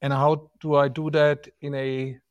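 A man's voice: a little high, little pitch movement, unhurried, clear, resonant tone, highs cut off. A middle-aged man from Germany with a German accent, explaining product topics as a podcast guest, often adding "right?" and "so to speak". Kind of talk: podcast interview answers.

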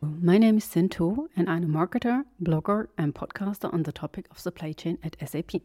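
A woman's voice: lowish voice, brisk, dark tone, soft background music. A woman co-hosting a podcast, politely welcoming and introducing guests. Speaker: co-host.

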